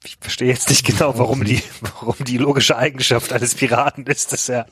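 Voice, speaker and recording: A man's voice: mid-range voice, steady tone, a little fast, a bit bright, breathy edge, no room sound. A man hosting a podcast, reading a story aloud with amused, wry asides and joining a casual chat. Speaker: podcast host.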